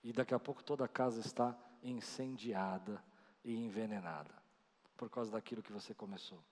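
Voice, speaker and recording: A pastor preaches a sermon in a fairly low, darkish voice at a brisk clip, animatedly telling stories and acting out other people's voices. A large hall gives the recording a long reverb.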